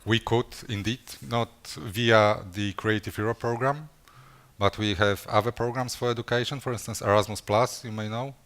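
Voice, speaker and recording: A man's voice: lowish voice, fairly even intonation, normal speed, fairly bright tone. Hesitant man answering conference questions. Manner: hesitant, many fillers and restarts. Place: conference session room.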